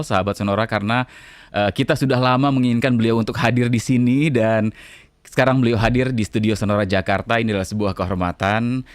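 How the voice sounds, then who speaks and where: Eager Indonesian radio host, low voice. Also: male voice. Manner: enthusiastic, frequent mm-hmm backchannels. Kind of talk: radio interview hosting. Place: radio studio.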